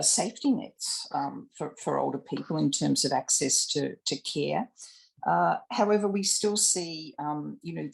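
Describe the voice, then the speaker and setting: Gravelly low-voiced Australian woman. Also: low-quality recording. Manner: reflective, warm, thinks aloud with fillers. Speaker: audience member asking a question. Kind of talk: online panel discussion. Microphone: video call.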